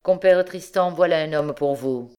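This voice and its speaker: A woman's voice: low-pitched, moderate pace, mellow, clean tone, close to an everyday voice. A woman reading the part of a scheming, suspicious old king who muses darkly and barks orders, in an audiobook. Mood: commanding. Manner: musing, then barking orders.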